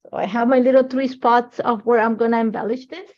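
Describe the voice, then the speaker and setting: A middle-aged woman, a native Spanish speaker with an Ecuadorian accent, hosts a live crafting demo from her desk under an overhead camera, chatting casually and thinking aloud. Her voice is a little high and brisk, with fairly even intonation. The stream audio sounds dull and lo-fi.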